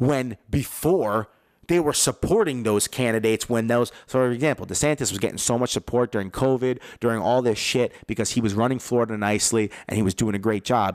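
Animated in tone, a man with a medium pitch speaks at a fairly quick pace with ordinary pitch variation, in a dry, close sound with no echo. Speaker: podcast host. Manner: loud, ranting, heated, swearing, fast and animated; casual, rambling, jumps around.

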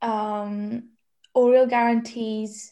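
Fairly high in pitch yet dark and mellow in tone, a woman's somewhat breathy voice holds a monotone, flat intonation. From Germany. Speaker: university student. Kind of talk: casual chat.

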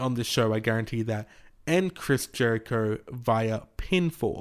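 A man with an Australian accent at a moderate pace, ordinary pitch variation, in a very clean recording with a silent background. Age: 20s. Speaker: video game podcaster. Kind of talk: solo podcast monologue. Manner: casual, halting with fillers.

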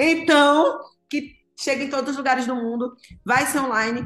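A woman's high-pitched voice holds a fairly even intonation at a moderate speed. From Brazil. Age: 30s. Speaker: financial educator. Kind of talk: radio interview. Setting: radio studio.

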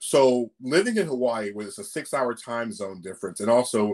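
Speaking at a medium pitch and a fairly quick pace, a man sounds animated, with lively intonation and a dry, close sound free of echo. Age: 40s. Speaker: broadcast journalist. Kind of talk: casual chat.

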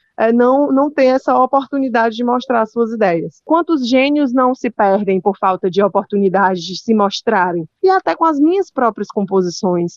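Barely pausing at all, a woman talks at a moderate pace in a fairly high voice that swings very widely in pitch. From Brazil, Northeast (Fortaleza, Ceará). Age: 20s. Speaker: singer. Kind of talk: interview. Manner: halting.

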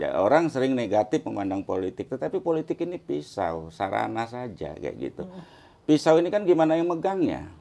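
Talking at a fairly quick pace, a man lets his loudness swing widely. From South Sumatra, Indonesia. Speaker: regional legislator. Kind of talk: interview.

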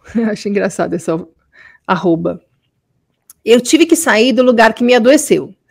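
Lively in intonation, a woman speaks at a moderate pace in a fairly high voice. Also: long, frequent pauses. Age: 50s. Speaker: integrative therapist. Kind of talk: live online class. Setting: livestream.

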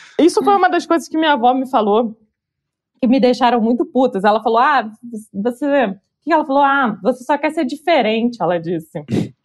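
A woman's high-pitched voice at a fairly quick pace, with very wide pitch swings. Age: 20s. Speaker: polyamorous guest talking about relationships. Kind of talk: casual chat.

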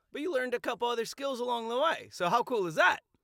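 A bright, sharp tone marks a man's raised, projected voice. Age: 30s. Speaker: voice actor. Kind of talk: casual chat. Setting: remote call, audio only. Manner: halting, many restarts and fillers.

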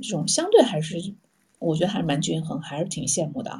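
Somewhat breathy, a woman speaks with lively intonation amid audible room echo. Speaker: columnist. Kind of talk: casual chat. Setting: remote call across time zones.

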